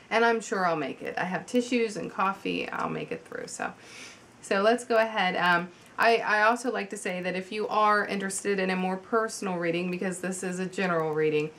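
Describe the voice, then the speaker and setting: Woman with a cold, chatty and halting. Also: fairly low pitch, a bit bright, slight background noise. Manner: chatty, halting with many ums and restarts. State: has a cold, slightly congested. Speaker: tarot reader. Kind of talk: casual video tarot reading. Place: at home.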